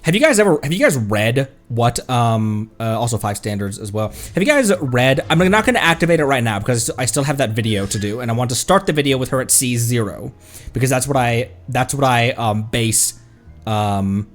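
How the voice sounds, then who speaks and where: A man's voice: medium pitch, animated, moderate pace, soft background music. A man chatting casually on a live game stream, thanking viewers and laughing often.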